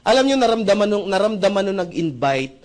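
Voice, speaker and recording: A man speaking at a seminar, telling a lively story. He acts out dialogue and often checks whether the audience agrees. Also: fast talker. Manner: animated, with jumps in pitch and loudness. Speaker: seminar speaker sharing his testimony. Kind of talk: motivational storytelling talk.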